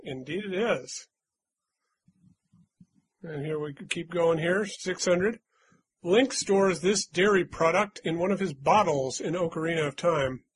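A man's voice: a little high, a little slow, long pauses, slightly rough, no room sound. Playful man hosting a podcast quiz. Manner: playful, teasing, hums little doot-doot jingles. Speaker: quiz host. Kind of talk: casual podcast quiz reading.

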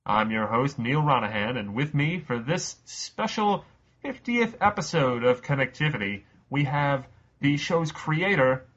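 A man's voice: mid-range voice, very animated, unhurried, a bit bright, husky, highs cut off. A man hosting a casual podcast quiz game, rambling through the rules with lots of fillers. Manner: rambling, many uh fillers, loose explaining. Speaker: quiz show host.

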